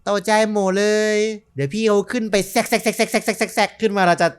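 A young man giving casual let's-play commentary on a horror game, excitable, swearing and yelping when startled. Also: high-pitched, fast, smooth, soft background music. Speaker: gaming YouTuber.

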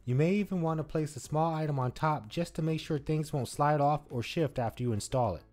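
A man's voice: fairly high pitch, brisk, darkish tone, faint music behind. A man, co-host of a home-improvement channel, giving a scripted step-by-step voice-over on installing a shelf. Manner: instructive, step-by-step.

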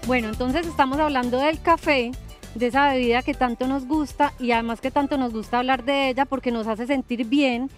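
A woman's voice: high voice, a little fast, faint music behind. Young woman hosting a garden show. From Colombia. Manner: calm, explanatory, with fillers. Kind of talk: relaxed TV show conversation. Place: outdoor garden set.

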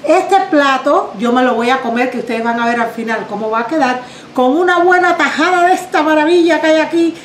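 A middle-aged woman with a Cuban accent talks viewers through a recipe in her home kitchen, her voice sitting high and light. She is chatty and homely, sprinkling in little diminutives. The room rings with an echo, and a faint hum sits underneath. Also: brisk. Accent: Cuban Spanish. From Cuba. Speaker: cooking show host. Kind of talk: home cooking demonstration. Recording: roomy kitchen echo, faint background noise.

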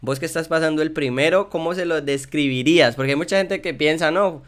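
A man's voice: on the high side, a little fast, a bit bright. A young man with a Colombian accent hosting a casual interview over a video call, chatty and often repeating words as he searches for them. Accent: Colombian Spanish. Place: small room at home. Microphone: headset.

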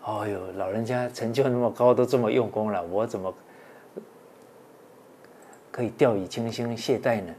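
A man, a Buddhist monk, giving a dharma talk with many drawn-out "ah" and "oh" fillers, earnest and exhorting. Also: lowish voice, darkish tone, a little hiss or hum.

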